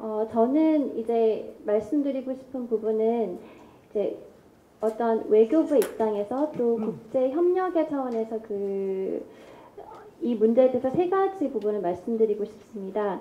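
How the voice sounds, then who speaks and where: With lively intonation, a woman speaks at a very slow pace amid audible room echo. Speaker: foreign ministry official; panelist. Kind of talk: panel discussion. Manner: formal. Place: hall. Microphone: handheld.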